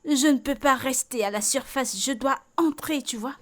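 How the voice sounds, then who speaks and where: In this French film dub, the role is Vicky, who tends a beaten woman and speaks outspokenly, caringly and bluntly, repeating herself insistently. The woman voicing her is high-pitched, at normal speed, and only lightly acted.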